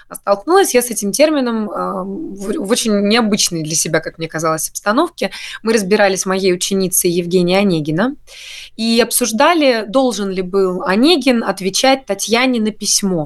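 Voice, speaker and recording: An unremarkable speaking voice from a woman, at moderate speed and with lively intonation. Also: medium pitch for a woman. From Korolyov, Russia. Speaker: actress and speech teacher. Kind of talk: casual chat. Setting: studio.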